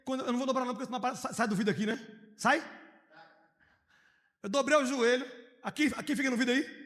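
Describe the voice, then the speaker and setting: A man preaching a sermon as pastor, telling personal stories, moving between hushed storytelling and loud outcries. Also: very high-pitched, fast talker. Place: church hall. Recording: long reverb of a church hall.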